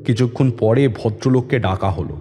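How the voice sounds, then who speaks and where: Telling a detective tale from a first-person view, a medium-pitched male narrator also takes on the police inspector's part, measured and commanding. A music bed plays beneath, drenched in long reverb.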